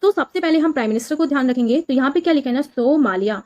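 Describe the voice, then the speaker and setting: A woman's voice: high voice, animated, very fast, darkish tone. A woman exam tutor explaining memory tricks in a patient, repetitive way, asking and answering her own questions.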